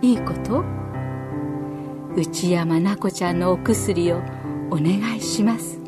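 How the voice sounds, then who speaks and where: Gentle mother, woman reading it, soft and coaxing, storybook, faint music behind. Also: fairly low pitch, slow pace. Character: gentle mother instructing her small daughter.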